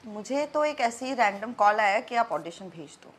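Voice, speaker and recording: A woman's voice: a little high, lively intonation, normal speed. A young actress chatting candidly as an interview guest, mixing English phrases into her Hindi.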